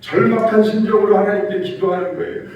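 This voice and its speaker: A male pastor preaching a Sunday sermon in a slightly high voice. He tells stories and acts out quotes, his emphasis rising and falling as he goes. The sound is very roomy and picked up from a distance in the sanctuary. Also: steady tone, fast talker, darkish tone, muffled recording. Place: church sanctuary. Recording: echoey church hall, distant mic.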